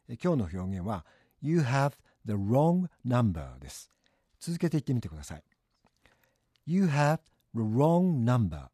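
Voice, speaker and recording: A man from Japan presenting a short English phrase lesson for a city hall, saying the model phrases slowly for listeners to repeat. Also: on the low side, dark tone, breathy edge, clean studio sound.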